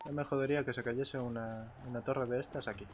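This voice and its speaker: Male gamer, Castilian Spanish accent, mid pitch, casual in-character chat, noticeable background game noise. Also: steady tone, brisk. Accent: Spain Spanish. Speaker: gaming roleplayer and streamer. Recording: noisy game audio with ambient sounds.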